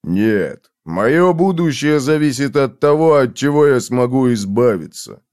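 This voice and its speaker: A man voicing a gruff, tormented man in a storybook reading, speaking slowly and tersely. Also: mid-range voice, expressive, a little mellow, dry recording, studio quality, close to an everyday voice. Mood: brooding. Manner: slow, heavy, terse.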